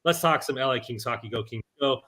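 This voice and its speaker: A man hosting a live hockey podcast, talking in an energetic, hype-building, casual way. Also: medium pitch, fast. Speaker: podcast host.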